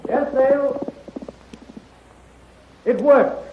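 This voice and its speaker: An actor playing an eager, confident young space hero in a bold, theatrical 1930s radio style. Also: male voice, very high voice, drawn-out words, heavily acted. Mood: excited. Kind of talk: 1930s radio serial acting. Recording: muffled, noisy 1930s radio recording.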